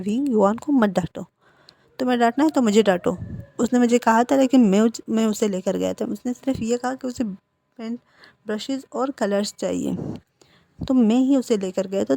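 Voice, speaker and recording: A woman's voice: on the high side, gravelly, mellow. A woman with a Hindi accent casually retelling a fan fiction story, speaking every character's lines in her own voice. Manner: retells dialogue for every character without changing voice.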